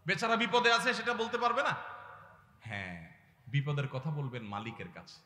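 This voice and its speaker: Man, preacher, impassioned sermon, rhetorical questions, soft pleading to loud calls, bright forceful voice, booming echo from loudspeakers. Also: moderate pace. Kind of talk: Islamic sermon to a gathering. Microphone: public address microphone. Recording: echoey long reverb through loudspeakers.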